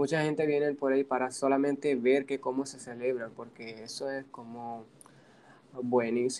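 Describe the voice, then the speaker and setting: A man talks at a moderate pace in a flat monotone at a medium pitch. His loudness swings widely. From India, Punjab. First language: Punjabi (speaking Spanish). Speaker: interview guest. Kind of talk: casual chat. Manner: halting.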